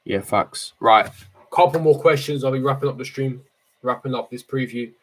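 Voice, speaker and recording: A man's voice: medium pitch, normal speed, poor audio. A man, chatting casually and giving slangy, opinionated answers to viewers on a livestream, repeating himself for emphasis. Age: 18, late teens. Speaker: football fan streamer. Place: small bedroom, indoors. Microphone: desk microphone close in front.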